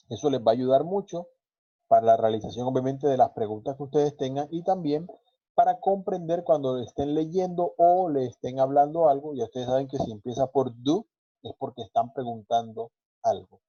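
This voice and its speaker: Dark-voiced man teaching English grammar. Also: mid-range voice. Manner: patient, explanatory, slows down to pronounce English examples. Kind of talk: online class explanation. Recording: dull lo-fi online class audio.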